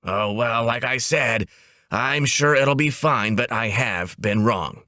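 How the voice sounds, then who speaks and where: A man voicing a brisk, wisecracking female ad agency boss in a comic audiobook, with a breezy, emphatic manner. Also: mid-range voice, sharp tone, dry recording, clean studio sound. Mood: breezy, blunt.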